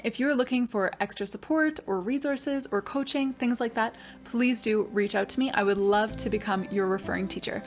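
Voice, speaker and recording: A woman who teaches English online, explaining a practice class step by step with upbeat, encouraging praise. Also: a little high. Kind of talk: tutorial walkthrough.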